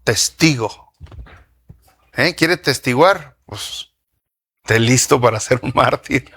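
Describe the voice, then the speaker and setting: A man preaching a sermon as pastor, lively, asking the congregation questions and dropping in slang. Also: mid-range voice, measured pace, slightly rough.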